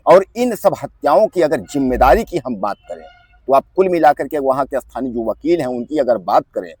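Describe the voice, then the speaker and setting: A man giving direct-to-viewer news commentary, talking to the audience as friends, repeating his points insistently and often filling pauses with a habitual filler phrase. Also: medium pitch, sing-song, darkish tone, breathy edge, no echo. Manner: keeps inserting the filler "jo hai".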